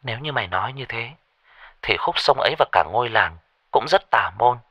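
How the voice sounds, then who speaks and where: A man's voice: mid-range voice, expressive, brisk, a bit bright, no room sound, highs cut off. A man voicing a practical young woman who questions her frightened friend in a ghost story. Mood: concerned.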